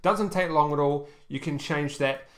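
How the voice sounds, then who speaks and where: A man reviews an online store over a screen share, casual and halting, with frequent ums, restarts, and checks of "okay?". His voice is on the high side.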